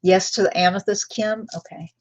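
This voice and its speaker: A woman's voice: medium pitch, steady tone, normal speed, no echo, lo-fi sound. A woman hosting a live jewelry sale, chatting casually and drifting into personal stories. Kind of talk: casual live-stream selling chat.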